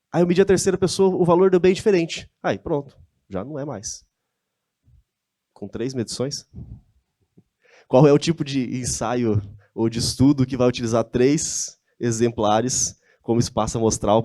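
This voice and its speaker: A man's voice: mid-range voice, mellow, no room sound, studio quality. A man with a Brazilian Portuguese accent giving a conversational lecture, often asking his audience rhetorical questions. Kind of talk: church-hosted lecture with slides.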